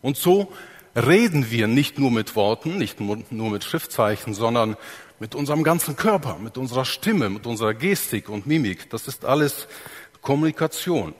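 A man's voice: mid-range voice, expressive, normal speed. Man preaching in a reverberant hall. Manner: explains step by step, acts out examples, asks the audience. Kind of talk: sermon.

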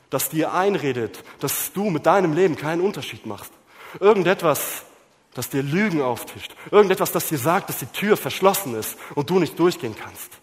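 Dramatic male preacher in a reverberant hall. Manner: dramatic, swings between loud emphasis and hushed low delivery. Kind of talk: sermon. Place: church hall.

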